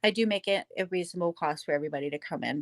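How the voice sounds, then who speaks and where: A very fast voice in a Wisconsin accent, ordinary pitch variation, and a dry, close sound with no echo. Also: woman. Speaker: cat cafe owner. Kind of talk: interview.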